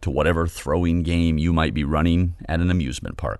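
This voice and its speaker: Against a quiet background, a man with a very deep, low pitch and vocal fry speaks at a fairly quick pace. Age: 50s. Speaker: podcast host. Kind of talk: scripted narration.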